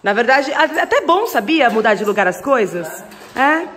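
A woman's voice: fairly high pitch, big pitch swings, normal speed, a bit bright. A woman in her thirties with a Brazilian Portuguese accent, chatting affectionately and exclaiming through a casual family vlog. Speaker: family vlogger and mother.

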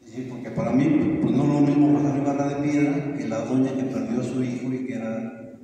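A man's voice: medium pitch, fairly even intonation, dark tone, dull audio. A middle-aged man with a Mexican accent giving an emphatic, argumentative talk at a conference, posing questions and answering them himself. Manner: emphatic, deliberate, poses and answers own questions. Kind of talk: extemporaneous public lecture, argumentative. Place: large brick-walled meeting hall with PA speaker. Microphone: handheld PA microphone, recorded from a far camera. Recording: very echoey hall, distant camera, faint noise.

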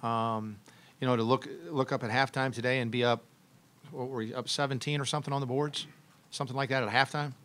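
A middle-aged man coaching a college basketball team fields questions after a game. He talks into a table mic in a press room, pausing, restarting and filling gaps with ums as he works out his answers. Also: mid-range voice, little pitch movement, fairly bright tone. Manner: halting, many restarts and ums, thoughtful. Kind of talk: postgame press conference. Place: press room with logo backdrop, seated at table. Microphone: table mic on stand.

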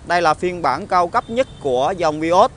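A man with a southern Vietnamese accent giving an informal used car salesman's walkaround pitch, halting often with hesitations and tag words. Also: lively intonation. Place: outdoor car lot, partly inside a car. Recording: outdoor phone recording with traffic ambience.

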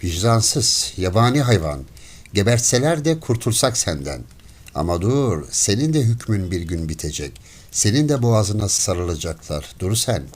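A man voicing a poor peasant man who pleads desperately and then rages and shouts, in an audiobook story. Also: lowish voice, very animated, normal speed. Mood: furious. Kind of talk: audiobook character voice.

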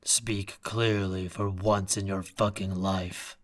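A man's voice: deep voice, flat delivery, takes it slowly. A man playing a proud, scornful young businessman in an audio drama, cold, curt and sarcastic. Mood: tense contempt.

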